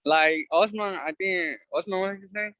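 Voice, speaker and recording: A young man whose first language is Spanish, a student sharing his story on a video call, speaking haltingly with many fillers and restarts. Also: high-pitched, bright, forceful tone, dry recording, highs cut off. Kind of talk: casual sharing on a video meeting. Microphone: video call, camera off.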